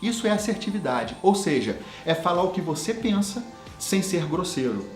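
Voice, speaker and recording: A man in his thirties, a business coach, giving a motivational talk to leaders and telling personal stories with lively quoted dialogue. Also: high-pitched, moderate pace, echoey room, faint music behind.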